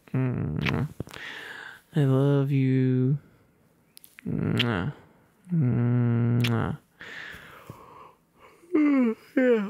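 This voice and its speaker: A man with a British RP accent reading a storybook aloud and chatting as an ASMR boyfriend, drowsy, soft and playful, slipping into gentle whispers. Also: on the high side, creaky. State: sleepy and overfull.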